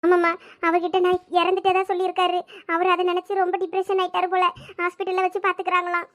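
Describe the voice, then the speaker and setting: A woman's voice: extremely high pitch, completely flat delivery, quick pace, fairly bright tone. A woman voicing a despairing captive young wife who speaks tearfully and pleadingly. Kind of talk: audio drama acting.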